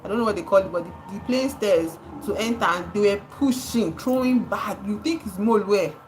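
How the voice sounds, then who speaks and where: A woman's voice: medium pitch, normal speed, faint music behind, low-quality recording. A Nigerian woman livestreaming, speaking with passion, repeating words for emphasis and greeting her chat viewers. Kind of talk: live stream commentary.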